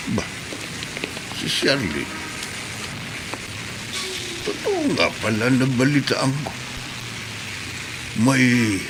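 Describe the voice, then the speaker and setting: An actor playing a grieving, gentle middle-aged Muslim man in a radio drama, talking slowly and sorrowfully. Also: on the low side, noisy background. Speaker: neighbor. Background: background music.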